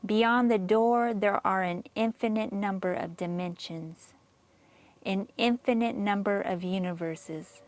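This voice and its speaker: A woman leads a guided meditation from a script. Her voice sits at a medium pitch. She speaks slowly and evenly in a soothing way, leaving generous pauses between phrases. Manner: slow, measured, soothing delivery with long pauses.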